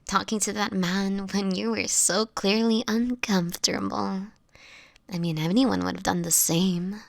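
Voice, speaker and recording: Woman acting a slow, hushed, sickly vampire woman. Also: medium pitch, no echo. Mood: wry, fond. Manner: soft, breathy, hushed, slightly formal old-fashioned phrasing. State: sickly, frail, with coughs. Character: sickly homeless vampire woman, gentle, world-weary, protective friend. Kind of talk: scripted audio roleplay drama, speaking intimately to listener.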